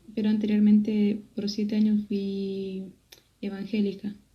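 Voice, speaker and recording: A woman with an Argentine accent, medium pitch, dark, mellow tone, somewhat breathy voice, monotone, flat intonation and fairly slow pace. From Argentina (born in Bolivia). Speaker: viewer joining live. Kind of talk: casual introduction. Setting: live stream on social media.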